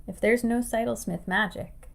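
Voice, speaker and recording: A woman's voice: on the high side, steady tone, normal speed, creaky. A woman playing a hesitant, simple-minded, laid-back college quarterback in an audio drama. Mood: pondering.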